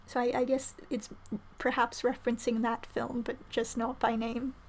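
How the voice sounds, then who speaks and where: A woman with a high voice reads a visual novel aloud for a live stream. She slips between narration and casual remarks, over a faintly noisy background. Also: flat delivery, moderate pace. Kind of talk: live read-aloud with chatty asides.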